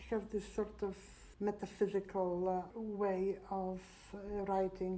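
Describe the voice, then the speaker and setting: A woman speaks very slowly in a Polish accent, leaving long, frequent pauses. Her medium-pitched voice stays monotone and flat over noticeable background noise. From Poland. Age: 50s. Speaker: bookbinder and designer. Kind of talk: interview. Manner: halting.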